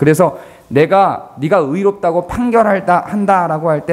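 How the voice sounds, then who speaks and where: At a moderate pace, a man uses a plain, everyday voice set at a fairly high pitch. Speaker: pastor. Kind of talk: sermon.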